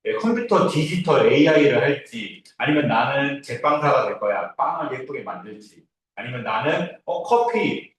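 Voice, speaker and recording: A man's voice: mid-range voice, very animated, moderate pace. A man giving an informal, easygoing orientation talk to a class as their instructor, reassuring and often checking that listeners follow. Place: indoor classroom, recorded from a distance. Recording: very echoey room, distant mic.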